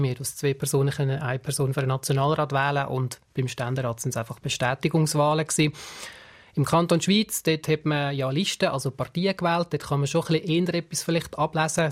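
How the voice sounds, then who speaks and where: A man with a Swiss German accent giving measured, explanatory political analysis in a radio interview. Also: on the high side.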